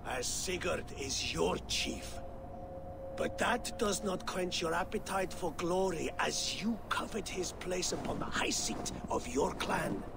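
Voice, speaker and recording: A man puts on a character voice pitched high and talks at a fairly slow pace. Loud background noise plays behind him. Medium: machinima. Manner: grave, slow, solemn.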